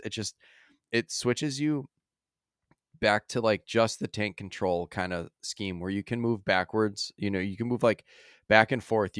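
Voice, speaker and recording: A man's voice: fairly low pitch, clear, resonant tone, no room sound, studio quality. A man co-hosting a podcast, casually discussing video games in a rambling way that often drifts from his thread. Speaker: podcast co-host.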